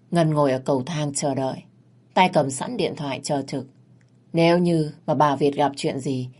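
A woman narrating an audio story in a steady, dramatic storytelling manner. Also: low voice.

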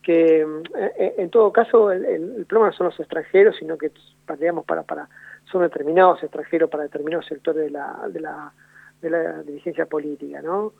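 A man with an Argentine accent, a radio guest giving measured, analytical answers and often rephrasing himself. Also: a little high, vocal fry, dry recording. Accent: Argentine Spanish. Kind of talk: radio phone interview. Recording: tinny phone line on radio.

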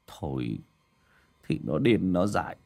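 A man's voice: expressive, takes it slowly, warm tone, full character voice. Man doing a muttering, frightened old father. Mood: weary. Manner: low mutter, stammering. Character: aging father, weary and frightened.

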